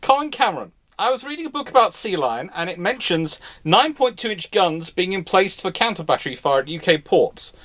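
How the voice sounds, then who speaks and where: Higher-voiced man in casual expert discussion. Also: big pitch swings, fairly quick, few pauses, fairly bright tone. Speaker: host of a live naval history Q&A.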